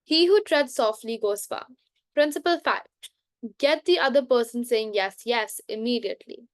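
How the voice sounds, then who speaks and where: A woman's voice: fairly high pitch, no room sound, studio quality. Woman reading aloud, stumbling. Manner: halting reading with frequent restarts and self-corrections. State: coughing now and then. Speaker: book reader. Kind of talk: unscripted bedtime book reading.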